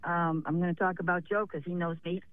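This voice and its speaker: A woman's voice: lowish voice, flat delivery, brisk, no echo. Female call-in listener, phone signal breaking up, thin dry line. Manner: hesitant, filler-heavy start. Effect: phone line breaking up, cutting out. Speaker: caller. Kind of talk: call-in radio chat.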